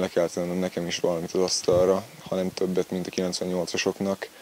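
A man speaks at a moderate pace in a very deep, low voice with monotone, flat intonation, the sound dry with no echo and light background noise. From Hungary (Nyíregyháza); Hungary. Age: young (19). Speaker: basketball player. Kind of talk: interview. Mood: calm, modestly pleased. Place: hall. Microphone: handheld.

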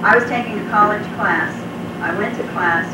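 There is loud background noise. Room echo is also audible. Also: woman. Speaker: presenter. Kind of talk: slide presentation talk. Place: hall.

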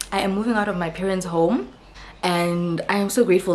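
A woman talks at a fairly quick pace in an ordinary speaking voice, pitched fairly low. Light background noise sits under the recording. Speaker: vlogger. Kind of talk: casual vlog chat. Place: home room. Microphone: camera far.

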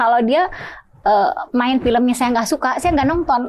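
A high-pitched woman's voice with lively intonation at a moderate pace, over light background noise. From Indonesia, Purwakarta (West Java); West Java, Indonesia. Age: 50. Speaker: pharmacist and lecturer, political candidate; lecturer, candidate. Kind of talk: podcast interview. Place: studio.

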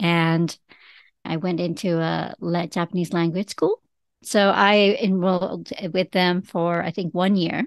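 A woman with an American accent speaks fairly slowly in a fairly low pitch, with fairly even intonation. She has an ordinary speaking voice, and the background is quiet. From United States. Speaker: eDiscovery attorney. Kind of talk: interview.

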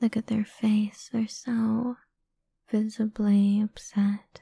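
Delivered very slowly in a playful tone, the voice sounds dry with no echo against a quiet background. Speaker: ASMR roleplay creator. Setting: solo audio recording, listener addressed as partner. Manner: possessive, domineering, with playful laughs.

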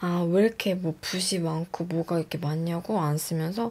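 A woman's somewhat breathy voice at a fairly slow pace with ordinary pitch variation. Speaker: live streamer. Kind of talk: casual livestream chat about makeup. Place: home room. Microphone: studio mic.

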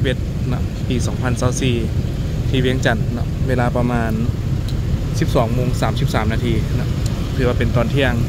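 Loud background noise behind a man's dry, echo-free voice. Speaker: travel vlogger. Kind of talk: casual vlog chat. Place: motorbike.

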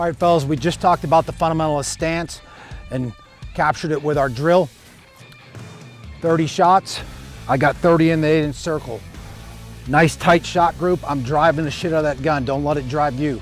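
A man speaks at a moderate pace with long, frequent pauses. The sound is dry with no echo, and faint music plays in the background. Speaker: shooting instructor. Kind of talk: tutorial. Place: open country.

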